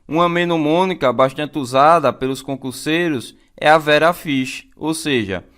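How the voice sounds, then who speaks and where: A man's voice: on the high side, a bit bright, clean tone. A man with a Brazilian accent teaching an exam-prep lesson in a didactic way, repeating key phrases and checking in with listeners.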